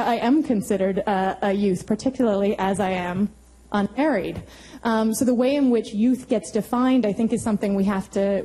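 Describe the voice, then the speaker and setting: A woman history professor giving thoughtful panel remarks to a university audience, pausing often to find her words. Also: medium pitch, warm tone, a little hiss or hum, rough recording.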